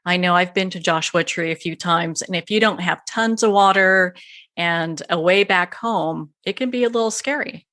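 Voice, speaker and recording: A woman's voice: on the low side, moderate pace, fairly bright tone. Woman hosting an interview show. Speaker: host.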